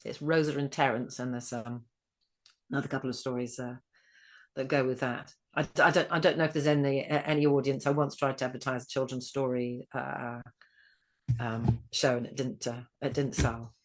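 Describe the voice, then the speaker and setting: British female storyteller as interview guest, low register, tentative and conversational. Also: flat delivery, moderate pace. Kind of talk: casual interview chat.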